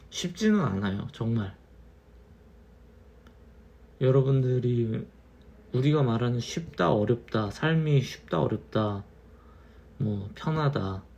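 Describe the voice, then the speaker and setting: A man in his thirties, a little tipsy from wine, musing slowly in a casual monologue and repeating his phrases. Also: medium pitch, vocal fry, darkish tone, breathy edge, highs cut off. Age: 30s. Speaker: channel host.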